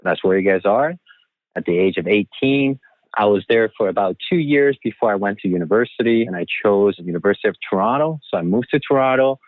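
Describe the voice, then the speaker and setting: A man's voice: on the low side, expressive, a little fast, no room sound. Man from Taiwan on a phone-like line. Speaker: interview guest, financial coach and investor. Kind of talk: conversational interview answers. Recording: thin phone-like band-limited line.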